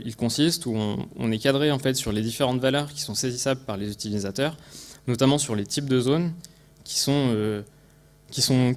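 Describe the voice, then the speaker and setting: A man with an accent from France presents a technical project at a conference, often restarting phrases and repeating words. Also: mid-range voice. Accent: French from France.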